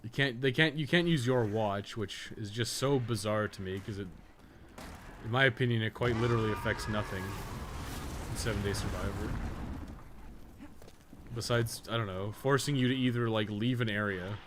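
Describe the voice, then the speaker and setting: A man's voice: on the low side, moderate pace, long pauses, noisy background. A young man chatting casually as he streams a game, rambling and swearing, with an easy laugh. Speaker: game streamer, podcast co-host. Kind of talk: casual chat while gaming live.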